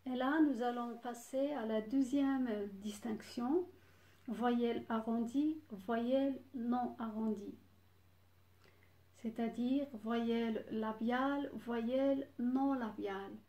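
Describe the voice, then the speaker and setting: A woman lecturing on phonetics, talking slowly and deliberately and pausing to list examples. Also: fairly high pitch, steady tone, dark tone. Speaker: university lecturer. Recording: echoey room.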